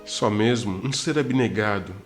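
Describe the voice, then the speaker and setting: An actor playing a solemn priestly spirit mentor in a radio drama, explaining things in a measured, grave way. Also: male voice, lowish voice, over music, natural voice. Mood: grave, instructive. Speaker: mentor character.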